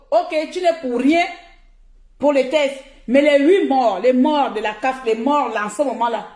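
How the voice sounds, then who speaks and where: High-voiced Gabonese woman ranting angrily. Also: a little mellow. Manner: confrontational, scolding, repeats herself for emphasis. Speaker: social media live streamer. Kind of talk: heated live-stream rant. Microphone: phone. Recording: echoey room.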